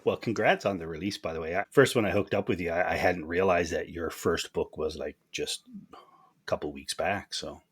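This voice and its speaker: A Canadian man with a slightly husky voice, hosting a podcast and interviewing a guest in a casual, conversational way. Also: low voice, brisk. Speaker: podcast host.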